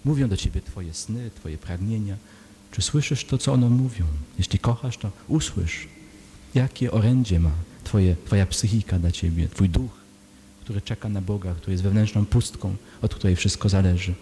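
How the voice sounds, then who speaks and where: A man's voice: on the low side, normal speed, mellow. Earnest preaching man in an echoing hall. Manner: rhetorical questions, earnest and pleading. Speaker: priest. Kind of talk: sermon. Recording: long hall reverb, faint hum.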